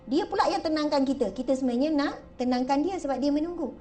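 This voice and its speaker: A woman's voice: high voice, fast talker, dark tone, far from the mic, faint music behind. A woman with a Malaysian Malay accent giving a chatty religious lecture, often asking her audience questions. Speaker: religious speaker.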